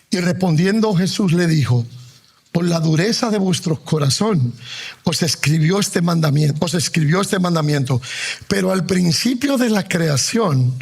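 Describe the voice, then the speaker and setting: A man's voice: high-pitched, creaky, slightly rough. A male pastor preaching a sermon in a conversational way, with humor. He has the congregation repeat after him and stretches out the words he stresses. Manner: emphatic, drawn-out stressed words; conversational humor woven into Bible teaching.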